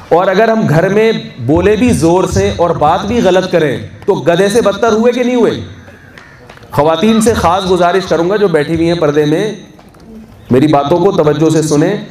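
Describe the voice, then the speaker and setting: Speaking in a slightly high, somewhat mellow voice, a man who is a religious scholar gives a conversational sermon to a gathering. He asks the audience questions, then supplies the answers. The sound is distant and echoey, as in a hall, with faint noise.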